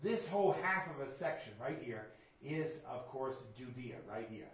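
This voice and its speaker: Older pastor preaching on a dull recording. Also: male voice, medium pitch, lively intonation, normal speed. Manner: conversational preaching with frequent "uh" and asides to the congregation. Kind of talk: sermon.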